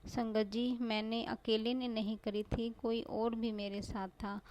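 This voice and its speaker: A woman's voice: on the high side, level tone, unhurried, darkish tone, poor audio. A woman giving a devotional testimony to a congregation, pleading and repeating herself like a prayer. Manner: pleading, repetitive prayerful address.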